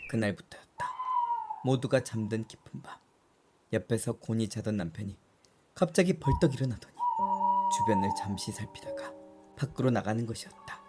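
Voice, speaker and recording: A woman narrates an old folk tale in a calm, measured way. Her voice sits low yet moves expressively. Clear music plays behind her. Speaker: storyteller.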